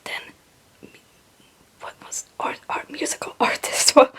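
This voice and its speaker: Unhurried and a little bright, a young woman whispers through a loose, rambling ASMR chat, often hesitant and putting herself down. English isn't her first language, and she makes ASMR videos.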